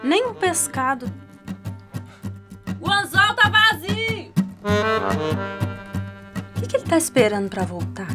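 Stubborn, high-voiced Brazilian ex-detective woman. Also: slow, long pauses, loud music behind the voice, full character voice. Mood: alarmed. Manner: expressive, exclamatory. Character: tough, stubborn female ex-detective, skeptical, easily rattled. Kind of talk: radio drama acting.

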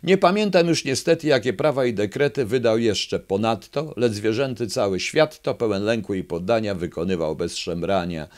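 A man reading aloud as a sly, smooth-talking male fox giving a grand campaign speech to the animals in a children's verse tale. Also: on the low side, moderate pace, few pauses, lightly acted. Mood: commanding.

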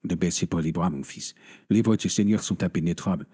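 An actor playing a gentle, devout parish priest in an audio drama, speaking in a calm, consoling manner with a husky voice. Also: male voice, low-pitched, brisk.

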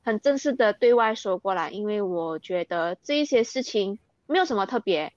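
A woman's voice: mid-range voice, expressive, moderate pace, dry recording, dull audio. A young Malaysian woman speaking Mandarin with a Malaysian accent, earnestly recounting things in an interview and mixing in English words. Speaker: interview guest, athlete. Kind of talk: candid interview.

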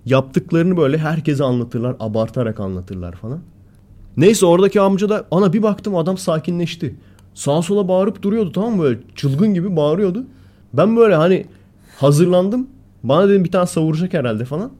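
A man co-hosting a casual podcast chat, telling stories animatedly and acting out the loud lines of the people in them. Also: on the high side, a little fast. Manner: animated storyteller, acts out quoted shouting. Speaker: podcast co-host.

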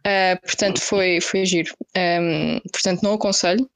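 In a lowish voice at normal speed, a young European Portuguese-accented woman shares a story with friends. She speaks in a slangy, lively way and performs the quoted lines. No echo is present.

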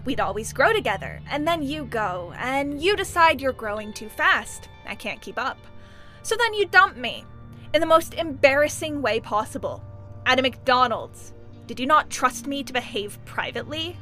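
Bright, high-voiced bitter siren. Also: female voice, very animated, normal speed, soft background music, exaggerated voice. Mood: hurt, accusing. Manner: taunting, accusatory. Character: bitter spurned siren ex, menacing and wounded. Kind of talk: audio drama acting.

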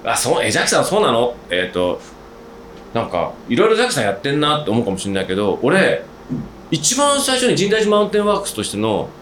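A man hosting a casual podcast chat, talking at length in a rambling, animated way about his work. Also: mid-range voice, quick pace, echoey room, a little hiss or hum. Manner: talkative, rambling, animated storytelling. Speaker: podcast host, outdoor gear maker.

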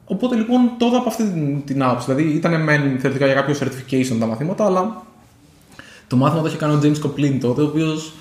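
A man's voice: a little high, lively intonation, darkish tone. A man co-hosting a podcast, chatting casually and circling back with fillers and restarts. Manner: rambling, many fillers and restarts. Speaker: podcast co-host. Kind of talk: casual chat. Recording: echoey room with faint noise.

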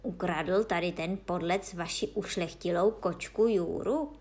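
A woman voicing a stout, strict male judge who thunders and shouts at the accused, in a children's story reading. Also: lowish voice, slightly rough. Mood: sladce podlézavý. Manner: hřímá, křičí na obžalovaného. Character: tlustý přísný soudce, hřmotný muž.

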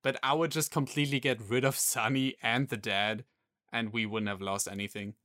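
A man taking part in a casual podcast discussion, talking in a measured way and weighing points fairly. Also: medium pitch, steady tone, pushed and bright, no echo, clean studio sound. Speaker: podcast co-host.

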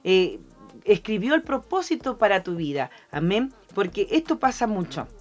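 A woman's voice: medium pitch, sing-song, normal speed, a little mellow, dull audio. A woman co-hosting a Christian podcast with a mixed Chilean accent, preaching and often adding "amén" and "¿cierto?". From Argentina. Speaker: podcast co-host. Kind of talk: Christian devotional podcast talk.

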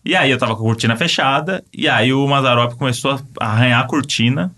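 A man with a Brazilian accent telling a story in casual chat, animated and full of fillers. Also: mid-range voice, fast talker. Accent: Brazilian Portuguese.

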